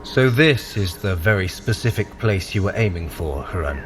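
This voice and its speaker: A man's voice: low-pitched, lively intonation, moderate pace, fairly bright tone, a little hiss or hum. A man playing a cool, clever, haughty trickster god in an audio drama, with dry, wry, precise delivery. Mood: wry, needling. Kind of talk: scripted audio drama acting.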